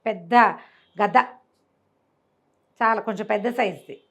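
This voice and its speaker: A woman's voice: medium pitch, measured pace. A woman with a Telugu accent telling a folk tale conversationally, explaining as she goes and acting out dialogue in her own voice. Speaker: storyteller.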